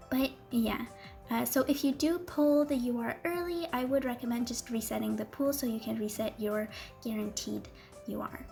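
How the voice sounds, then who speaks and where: High-voiced, gushing young woman gamer. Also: fairly even intonation, normal speed, gravelly, darkish tone. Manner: chatty and giggly, gushing over cute characters, many ums. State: losing her voice, coughing. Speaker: gaming video creator. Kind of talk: casual gameplay walkthrough. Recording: faint music underneath.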